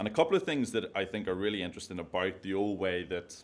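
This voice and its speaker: A man with a very deep, low pitch and a Belfast accent, at a fairly quick pace. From Northern Ireland, Belfast. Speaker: marketing software account manager. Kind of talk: conference talk.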